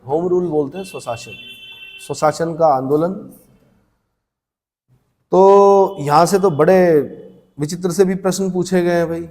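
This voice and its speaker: A man's voice: fairly high pitch, measured pace, pauses often, darkish tone, big-room sound. A male coaching teacher giving a classroom lecture, reading points aloud, then asking students questions and explaining plainly. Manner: reads text then explains in plain talk.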